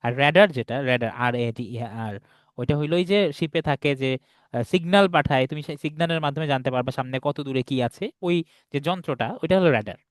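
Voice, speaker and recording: A man's voice: a little high, lively intonation, fast talker, dry recording. A man teaching an English class online, explaining patiently and checking often that students follow along. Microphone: video call.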